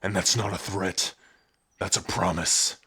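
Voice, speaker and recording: A man voicing a gruff, protective orc warrior with a raspy voice in an ASMR roleplay. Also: low voice, little pitch movement, a little slow, pushed and bright, dry recording, studio quality, exaggerated voice. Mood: menacing, defiant. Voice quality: raspy, husky. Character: gruff, protective young male orc warrior, devoted to spouse.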